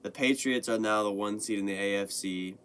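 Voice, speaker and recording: Hoarse young man rambling about football. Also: fairly low pitch, a little fast, fairly bright tone, slight background noise. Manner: loose, rambling, with many fillers and restarts. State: hoarse after illness. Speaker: podcast host. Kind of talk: casual sports commentary monologue.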